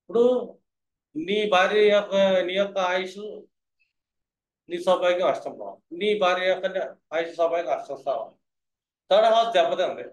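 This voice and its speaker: A man's voice: high voice, lively intonation, a little fast, pauses often, roomy sound. A man teaching astrology in a lecture style, who keeps asking his listeners whether they have understood.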